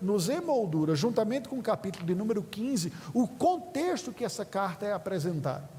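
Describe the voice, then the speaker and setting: A man with a Paraíba accent and a high pitch, very wide pitch swings, a moderate pace and noticeable background noise. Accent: Paraíba (Northeast Brazilian). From Northeast Brazil, Paraíba. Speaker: missionary pastor. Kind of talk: sermon.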